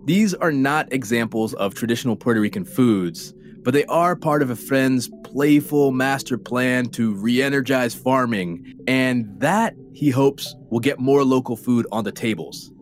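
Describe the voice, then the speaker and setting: A man's voice: medium pitch, a little slow. A man hosting and narrating a food documentary in a playful, conversational way. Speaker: host and reporter. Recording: light music underneath.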